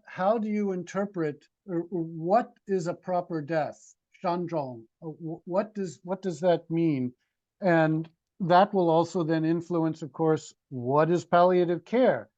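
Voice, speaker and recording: Slow hesitant guy full of ums, mellow voice, kinda dull lo-fi sound. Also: a little high. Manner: halting, many ums and uhs, thoughtful. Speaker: audience member asking a question. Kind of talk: hesitant spoken question at a seminar. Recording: dull lo-fi room recording.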